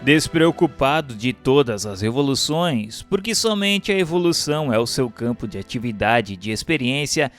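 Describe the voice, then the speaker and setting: Casting: Brazilian male narrator, medium pitch, formal declamatory delivery of solemn spiritual prose, light music behind. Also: sing-song, moderate pace, few pauses. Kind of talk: solemn scripted narration of a religious text.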